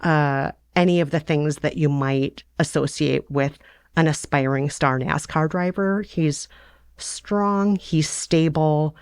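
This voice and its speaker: A woman chatting reflectively and conversationally as a host on a relaxed bedtime podcast. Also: low-pitched, slow pace, clean tone, dry recording.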